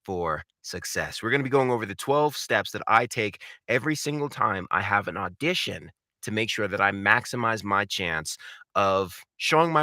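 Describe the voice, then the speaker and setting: A man's voice: fairly low pitch, pushed and bright, no echo, clean studio sound. A man giving an instructional talk as a voice acting coach, direct and emphatic, repeating phrases to drive points home. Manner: emphatic, acts out short example lines.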